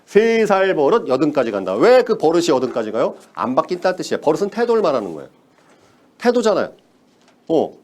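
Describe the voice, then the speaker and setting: A man's voice: on the high side, a little mellow. A man giving a motivational sales lecture, emphatic, repeating key words and asking the audience rhetorical questions.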